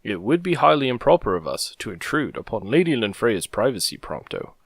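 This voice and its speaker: A man's voice: mid-range voice, very animated, brisk, gravelly, slightly rough, dry recording, exaggerated voice. A man acting a prim, formal royal retainer in a fan audio drama, courteous and precise in his wording. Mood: politely reproving.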